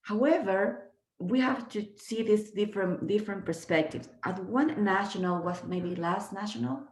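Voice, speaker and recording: A woman in her fifties from Peru, speaking natively, who gives an earnest, halting motivational talk on a video call, full of fillers and restarts. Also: medium pitch, echoey room. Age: 50s. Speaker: guest trainer.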